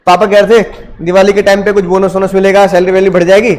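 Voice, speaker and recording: A man's voice: high-pitched, little pitch movement, quick pace, darkish tone, natural voice. A man voicing a young schoolboy who pleads and swears promises to his teacher. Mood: pleading.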